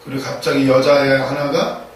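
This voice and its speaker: A man's voice: medium pitch, flat delivery, moderate pace. Emphatic male preacher in an echoey church. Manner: emphatic, repeats key phrases, asks rhetorical questions. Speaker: pastor. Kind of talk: sermon. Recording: echoey room, distant mic, faint noise.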